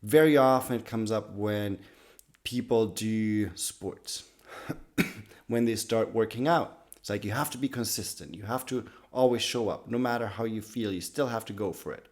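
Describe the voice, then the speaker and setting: A man with a slightly raspy voice from being sick, talking to camera in an earnest, loose way about personal growth. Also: fairly low pitch, normal speed. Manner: earnest, loose sentences with many restarts and "like". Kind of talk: casual talk to camera.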